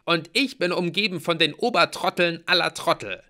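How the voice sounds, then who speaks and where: A man reading aloud and voicing a grumpy, sharp-tongued young woman warrior, scolding and snappish. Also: medium pitch, animated, moderate pace, gravelly, pitched above the performer's own voice. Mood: sarcastic.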